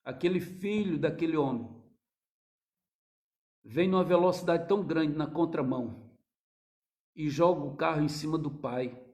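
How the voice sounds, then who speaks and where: Pastor guy preaching all fired up, pretty high voice, gets loud then drops low. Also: unhurried, pauses often. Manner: impassioned, swinging from loud cries to hushed low tones; addresses the congregation as brothers. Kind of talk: fervent sermon.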